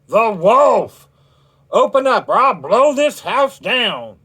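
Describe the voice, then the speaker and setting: A man's voice: very high voice, sing-song, slow pace, bright, forceful tone, breathy edge, voice pushed up, heavily acted. A man voicing a hungry, somewhat bad wolf in a children's story, blustering and emphatic. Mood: demanding, blustering.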